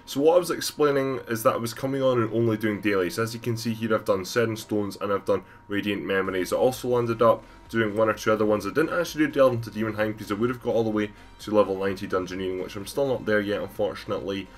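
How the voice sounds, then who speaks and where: Male gaming vlogger, deep and low, sick with a cold, rapid rambling voiceover. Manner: rambling, casual, many fillers. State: has a cold, stuffy. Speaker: gaming YouTuber. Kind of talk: gameplay voiceover commentary.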